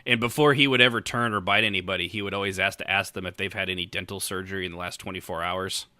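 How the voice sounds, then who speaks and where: A man's voice: low voice, fairly even intonation, quick pace, bright, forceful tone, dry recording. A man hosting a casual podcast discussion, rambling and stammering as he works through his thoughts, swearing casually. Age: 30s or 40s. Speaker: podcast host. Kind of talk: casual panel chat about online roleplay.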